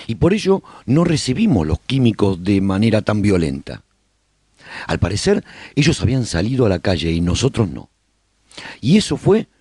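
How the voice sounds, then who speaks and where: A low male voice with sweeping, highly animated intonation , an actor as a haunted survivor chronicling the end of the world. The delivery is theatrical and emphatic, like a reflective storyteller in a radio serial. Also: husky, no room sound, exaggerated voice. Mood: grave, explanatory. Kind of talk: dramatised first-person scripted narration for radio serial.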